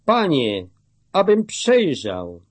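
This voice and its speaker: A man's voice: on the high side, huge pitch swings, very slow, no echo, heavily acted. A man voicing a blind male beggar who cries out, imploring for mercy. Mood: pleading. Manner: crying out, imploring.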